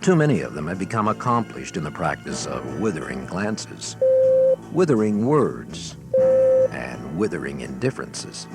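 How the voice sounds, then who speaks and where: A man's voice: low voice, very animated, normal speed, gravelly, over loud music. A man narrating a scripted training filmstrip in a wry, theatrical storytelling manner, recorded on an old 1980s cassette. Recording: noisy 1980s cassette with clicks.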